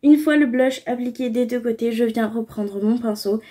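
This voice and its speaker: Higher-voiced woman, mellow chatty tutorial. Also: moderate pace. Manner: chatty, explains each step, many fillers. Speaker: beauty vlogger. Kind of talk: casual makeup tutorial.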